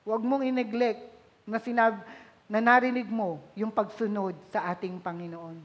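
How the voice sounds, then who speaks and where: A woman's voice: mid-range voice, fairly even intonation, moderate pace. Woman preaching in a reverberant church. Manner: polite, gently exhorting. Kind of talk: sermon.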